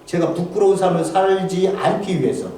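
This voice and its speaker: A man preaching as a pastor, telling a personal story in a halting, emotional way with many restarts. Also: high voice, dark tone. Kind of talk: sermon testimony. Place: church sanctuary. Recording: very echoey hall, voice from far off.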